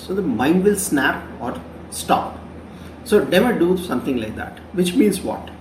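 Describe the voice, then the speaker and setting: A man's voice: on the high side, slight background noise. A man in his fifties with an Indian English accent, giving a classroom lecture on journalism, explaining patiently and repeating key phrases. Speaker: journalism professor. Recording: roomy echo, voice from a distance.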